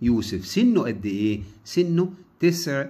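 A man's dark, mellow voice in an Egyptian accent, with very wide pitch swings. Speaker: primary school teacher. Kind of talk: lesson for young children.

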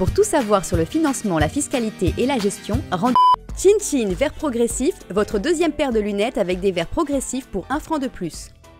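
Over music in the background, a woman with a fairly high pitch speaks at a moderate pace, her pitch swinging very widely. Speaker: voice actor. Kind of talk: radio commercial read.

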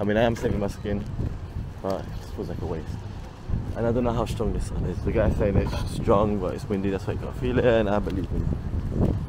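A man talks at a fairly quick pace with ordinary pitch variation. The sound is dry with no echo, but loud background noise is present. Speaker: travel vlogger. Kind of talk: casual vlog chat. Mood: relaxed, joking. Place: beach. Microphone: phone near.

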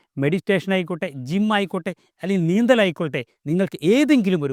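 The man's pitch is high, with ordinary variation. The recording is very clean with a silent background, and the sound is dry and close with no echo. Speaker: beauty and health vlogger. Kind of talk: tutorial.

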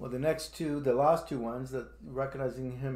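A man at a fairly quick pace, with fairly even intonation and audible room echo. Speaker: preacher. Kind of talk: sermon. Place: home room.

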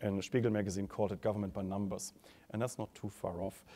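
A man with a German accent speaks at a fairly low pitch. His tone is dark and mellow. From Germany. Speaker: policy researcher. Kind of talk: conference talk. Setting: stage with audience. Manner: hesitant with frequent fillers. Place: hall. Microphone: podium.

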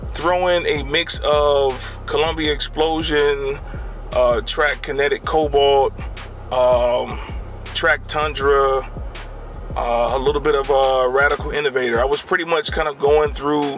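Faint music plays in the background as a man speaks at a fairly slow pace, his loudness very even throughout. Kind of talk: casual vlog chat. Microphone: phone near.

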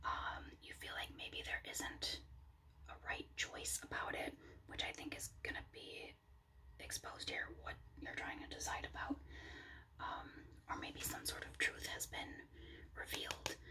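A woman whispers at a fairly slow pace. Long, frequent pauses break up her speech. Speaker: ASMR tarot reader. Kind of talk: whispered tarot reading. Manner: whispered, soft-spoken. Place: home room. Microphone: phone near.

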